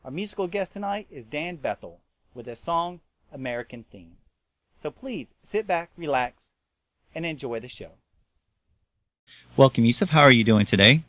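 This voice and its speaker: A man's voice: fairly high pitch, lively intonation, normal speed, long pauses, fairly bright tone, dry recording. Earnest man hosting a talk show. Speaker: host. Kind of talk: scripted introduction and interview.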